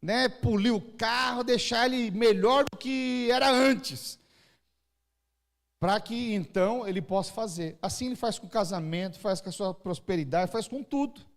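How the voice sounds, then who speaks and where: Preaching a sermon at church, a man from Brazil acts out both crying infants and their parents in São Paulo-area Brazilian Portuguese. He is a pastor with a high-pitched voice who speaks at a normal speed.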